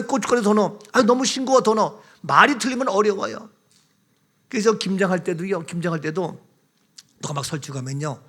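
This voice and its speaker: A man's voice: high voice, sharp tone. A man preaching a sermon as pastor, emphatic, repeating key phrases and asking the congregation questions. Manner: acts out everyday quarrels in short quoted remarks.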